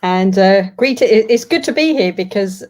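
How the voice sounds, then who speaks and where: A woman's voice: mid-range voice, lively intonation, normal speed, a little mellow. A woman guest chatting on a video call, hesitant, with many fillers and restarts. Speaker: guest, works at an ed-tech company. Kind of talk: casual video-call chat.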